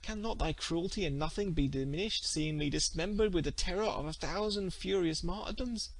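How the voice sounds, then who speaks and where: Man voicing an anguished, high-pitched wronged young woman. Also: a little fast, vocal fry, rough recording. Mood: furious grief. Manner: wailing, declamatory, melodramatic. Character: anguished, vengeful young wronged woman lamenting her betrayal. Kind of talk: dramatic archaic storybook reading.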